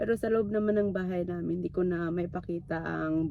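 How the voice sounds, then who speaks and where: A soft-spoken woman talks at a moderate pace with ordinary pitch variation. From Philippines. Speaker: vlogger. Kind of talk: casual vlog talk. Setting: in a car.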